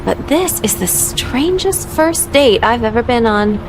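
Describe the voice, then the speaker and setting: A woman's voice: fairly high pitch, expressive, measured pace, over music. A woman as a feisty, sarcastic young heroine. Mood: wry. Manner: blunt, sarcastic. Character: feisty young heroine, sharp-tongued and defiant. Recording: noisy recording.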